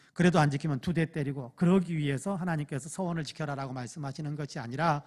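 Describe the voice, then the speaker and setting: Fervent Korean pastor preaching. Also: male voice, fairly high pitch. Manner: earnest preaching, swings between loud fervent prayers and quiet asides. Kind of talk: sermon. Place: church.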